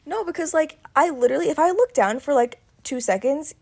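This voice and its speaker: A young woman in her twenties with a slightly high voice chats on a podcast. She tells her stories in an animated rush, full of "like" and quick restarts. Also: gravelly. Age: 20s. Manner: chatty, animated storytelling full of "like". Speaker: podcast co-host. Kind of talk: casual chat.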